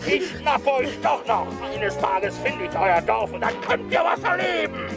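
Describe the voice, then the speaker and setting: An evil cartoon wizard, high-pitched and wildly swooping. He rants with hateful rage, dragging out his words as loud music plays underneath. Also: very animated, vocal fry, full character voice. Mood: gloating rage. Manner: ranting, shrieking with rage, drawn-out words. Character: evil, hate-filled wizard obsessed with catching tiny creatures. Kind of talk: cartoon villain acting.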